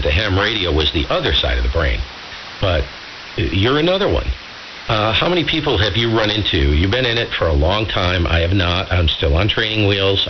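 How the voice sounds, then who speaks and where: A man chatting casually as an amateur radio operator on AM, informal and musing, with emphatic phrasing. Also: low voice. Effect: AM ham radio transmission. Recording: muffled AM radio with loud hiss. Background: radio hiss.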